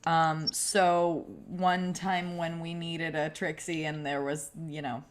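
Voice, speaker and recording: A woman's voice: sits low, little pitch movement, slow pace. A woman talking casually and slangily with friends on a group video call. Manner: chatty, informal, slangy.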